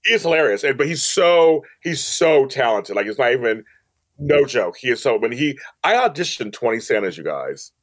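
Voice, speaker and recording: A podcast guest who produces and directs audio dramas talks casually at a moderate pace in a medium-pitched, sing-song voice. He's emphatic, often repeating phrases and acting out quotes.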